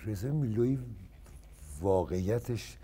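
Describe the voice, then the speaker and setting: A man's voice: on the low side, a little hiss or hum. A man in his seventies from Iran, a guest actor recalling old stories in a casual interview and acting out what others said. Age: 70s. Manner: animated storyteller who acts out others' words.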